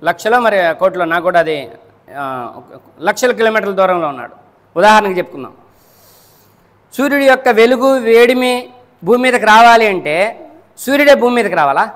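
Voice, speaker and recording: A man's voice: high voice, lively intonation, moderate pace, pauses often, fairly bright tone. A man giving a Friday sermon as a preacher, asking rhetorical questions, checking that his listeners follow, repeating and counting off his points. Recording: long echo of a large hall.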